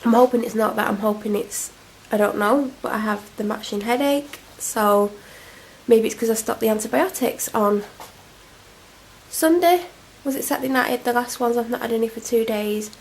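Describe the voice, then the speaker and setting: A woman's voice: fairly high pitch, moderate pace, slight background noise, poor audio. A young woman with a cold, chatting and rambling to camera at home in a casual vlog. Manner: rambling, self-deprecating, chatty. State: congested, snotty from a cold. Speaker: vlogger. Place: at home, indoors. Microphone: camera mic.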